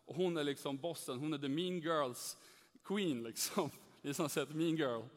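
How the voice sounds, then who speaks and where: A young man giving an earnest personal faith testimony, telling his story animatedly and acting out the dialogue. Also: a little high. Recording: echoey hall reverb.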